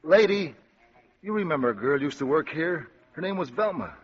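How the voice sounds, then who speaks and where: An actor playing a huge, slow-witted ex-convict who speaks in gruff, ungrammatical tough-guy talk. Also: a little high, animated, lightly acted. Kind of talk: 1940s radio acting. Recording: dull old radio recording.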